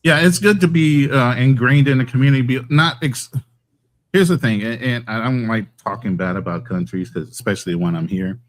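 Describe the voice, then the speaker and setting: A man's voice: medium pitch, fairly quick. An American man living abroad, chatting casually and telling stories, sometimes acting out quoted voices. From United States. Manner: relaxed storyteller, acts out quoted voices. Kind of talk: casual video-call chat. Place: abroad in the mountains.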